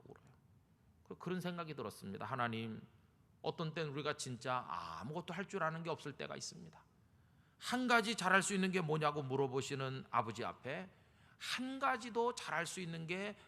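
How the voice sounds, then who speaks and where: Gravelly pastor preaching in echoing church. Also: male voice, fairly high pitch, sharp tone. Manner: emphatic, rising to fervent appeals. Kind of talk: sermon. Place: church sanctuary. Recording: long church reverb.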